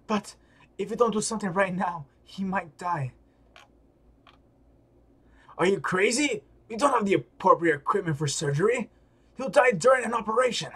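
Man voicing a panicked, high-pitched medic. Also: lively intonation, a bit bright, husky, full character voice. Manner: rushed, alarmed, exclaiming. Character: panicked, urgent medical helper in a comic.

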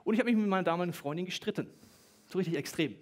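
High-voiced lively joking pastor, man. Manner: lively, joking, talks fast at times. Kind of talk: sermon.

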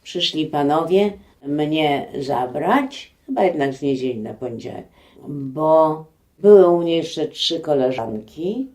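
Older woman recalling memories, halting delivery. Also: sits low. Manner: halting, conversational, animated when quoting. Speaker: eyewitness recalling personal memories. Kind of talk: spontaneous oral history recollection.

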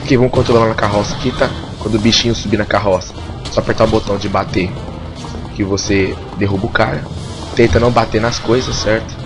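A man's voice: on the low side, fairly even intonation, fast, music in the background. Brazilian man, sore swollen-throat voice. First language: Portuguese. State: sore inflamed throat, strained swollen-tonsils voice. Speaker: gamer narrating a let's play. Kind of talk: casual gameplay commentary with mild swearing.

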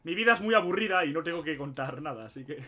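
A young man from Spain with a Spain Spanish accent, telling stories in excitable, slangy casual gaming commentary. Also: a little high, fast. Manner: excitable storyteller, laughs often, slangy. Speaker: gaming YouTuber.

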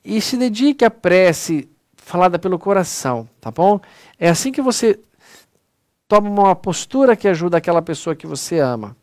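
A man's voice: high voice, big pitch swings, normal speed, darkish tone, no room sound, studio quality. A man with a Brazilian accent giving an earnest, conversational spiritist lecture online, often calling his audience "pessoal". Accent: Brazilian Portuguese.

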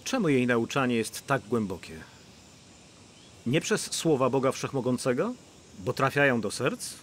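A man's voice: mid-range voice, lively intonation, a little slow, fairly bright tone, slight background noise. A middle-aged man dubbing the role of an anxious pastor in a film. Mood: troubled. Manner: anxious, troubled.

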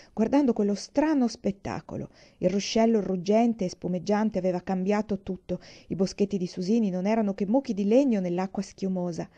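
A woman narrating a storybook aloud in an expressive, vivid reading. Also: medium pitch, muffled recording.

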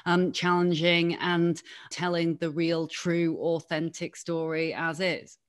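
Rambling podcast host on a headset. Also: female voice, lowish voice, level tone, takes it slowly. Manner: rambling, hesitant questions with many fillers. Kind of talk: video call interview.

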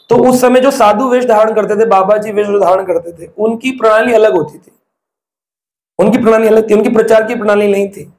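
A man's voice: sits high, a little mellow, reverberant. A man giving a devotional discourse, telling stories and asking the listeners rhetorical questions. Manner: storytelling, asks rhetorical questions. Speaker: preacher.

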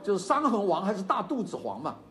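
An older male lecturer with a Chaozhou-tinged Mandarin accent, voice sitting fairly high and swinging widely in pitch. He talks in an animated, digressive way, scattering fillers and side stories through the lecture. Faint room noise hums under him. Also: fast talker. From China. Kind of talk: university lecture.

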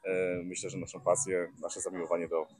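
A man's voice: low voice, flat delivery, brisk, darkish tone, breathy edge. A man in his forties, organizer of a metal-detecting rally, answering interview questions outdoors on a lapel mic, hesitant with many filler sounds and restarts. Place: garden outdoors in summer.

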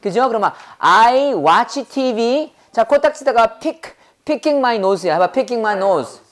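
A woman with a Korean accent teaches an English grammar lesson. She fires short questions at her students one after another. She slows right down to drill English phrases for them to repeat. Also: a little high, animated. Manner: quizzing students with rapid rhetorical questions. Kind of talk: classroom grammar lecture.

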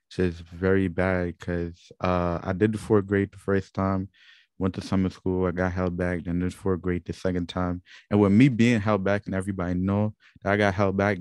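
A man's voice: deep voice, darkish tone, clean tone, dry recording. A young man from Guyana with a Guyanese accent, earnestly recounting his own experiences as host of a vlog, with many fillers and restarts. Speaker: channel host. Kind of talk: personal testimony vlog.

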